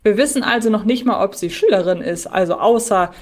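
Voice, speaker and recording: A woman's voice: medium pitch, a little fast, a little mellow. A woman co-hosting a podcast, thinking aloud in a casual, conversational way. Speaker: podcast co-host.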